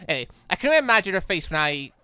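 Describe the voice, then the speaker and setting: Animated, bright-voiced game commentator. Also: medium pitch, rapid-fire, clean tone, no room sound. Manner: rambling, thinking aloud. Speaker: gaming video host reading a visual novel aloud. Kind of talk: casual commentary.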